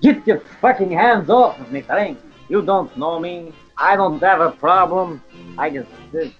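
A swaggering, crude drunk man, acted out by a male actor in an audio drama, always ready for a fight. His voice sits a bit high, and the sound is slightly dull with faint music behind. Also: expressive, measured pace. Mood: belligerent. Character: cocky, belligerent drunk man itching to fight. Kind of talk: audio fiction acting.

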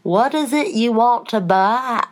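A woman's voice: fairly high pitch, animated, a little slow. Woman as a brusque old storybook sheep. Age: older. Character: brusque old female sheep shopkeeper, knitting.

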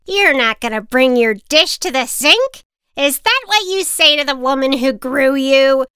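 A woman voicing a fierce, sharp-tongued old woman who scolds children in a cackling, drawn-out way. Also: high-pitched, expressive, no room sound, clean studio sound, voice pushed up, exaggerated voice. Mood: scolding.

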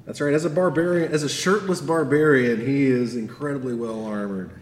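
A man, narrating a tabletop game as game master with amused, unhurried delivery, in an echoey room. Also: mid-range voice, fairly even intonation, crowd noise. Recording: echoey room with faint ambience.

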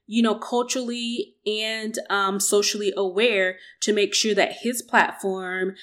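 A woman's voice: mid-range voice, fairly even intonation, measured pace, a bit bright. A woman co-hosting a casual tech news podcast, chatty and polite in manner. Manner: chatty, polite, laughs easily. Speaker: podcast co-host.

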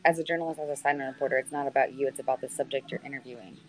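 A woman in her thirties with a naturally deep voice, a sideline reporter chatting on a video call, sprinkling her answers with ums and restarts. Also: steady tone, racing, soft background music, rough recording. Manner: conversational, lots of fillers and restarts. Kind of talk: answering student questions on a call.

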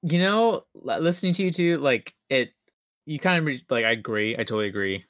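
Young man chatting, bright forceful voice. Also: medium pitch, animated, brisk, no echo, clean studio sound. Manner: enthusiastic, rambling, slangy. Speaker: podcast co-host. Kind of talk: casual chat.

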